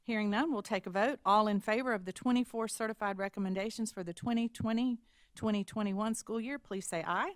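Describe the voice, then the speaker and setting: A woman chairing a school board meeting, brisk and procedural, reading motions and calling votes. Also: mid-range voice, no room sound.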